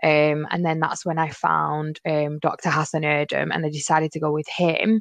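Very deep and low for a woman, her voice stays monotone and flat at a moderate pace. The sound is dry and close, with no echo. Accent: Mancunian. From northern England, Manchester. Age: 20s. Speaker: podcast co-host. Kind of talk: casual chat.

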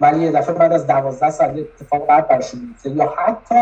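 A man with a fairly high pitch talks against noticeable background noise. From Iran (Tehran). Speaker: physician. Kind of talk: radio interview.

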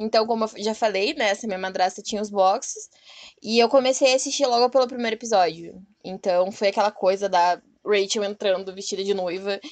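A woman talks at a fairly quick pace, her medium pitch showing ordinary variation. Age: 20s. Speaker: university student, podcast guest. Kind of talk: casual chat.

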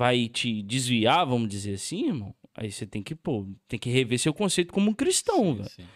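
Very wide pitch swings mark this man's speech, delivered at a moderate pace. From Itaperuna, Rio de Janeiro state, Brazil. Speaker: podcast host. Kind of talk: casual chat.

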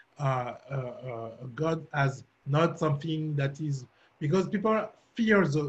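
A man speaks with a French accent. His voice is fairly high-pitched and somewhat breathy. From Gabon. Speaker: business consultant and author. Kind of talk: interview. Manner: halting.

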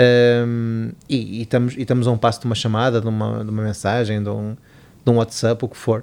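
Fairly quick, flat, monotone delivery with big swings in loudness. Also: man, medium pitch for a man. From northern Portugal, Matosinhos. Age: 30s. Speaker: entrepreneur. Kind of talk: casual chat.

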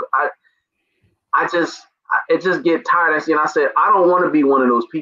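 The delivery moves at a fairly quick pace, broken by long, frequent pauses. Loudness stays very even throughout. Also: man. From Long Branch, New Jersey. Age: 40s. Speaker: chef. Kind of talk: interview. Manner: casual.

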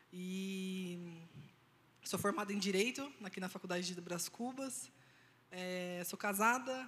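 With audible room echo, a woman speaks at a very slow pace and a medium pitch, her pitch varying in an ordinary way between long, frequent pauses. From Brazil, Mogi das Cruzes (São Paulo). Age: 30s. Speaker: women's ministry leader at church. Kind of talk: church women's talk, personal testimony.

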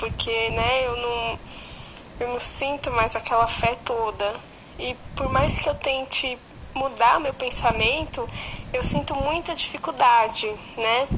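Noticeable background noise sits behind a woman who speaks high and very slowly, leaving long, frequent pauses. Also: fairly even intonation. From São Paulo, Brazil. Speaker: listener sending voice message. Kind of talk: recorded voice message question.

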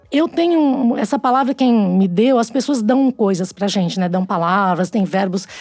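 A woman with an unremarkable speaking voice talks at a moderate pace with hardly any pauses. Her pitch is fairly high, her intonation lively and her loudness very even. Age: 60s. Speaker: screenwriter and writer. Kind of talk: casual chat.

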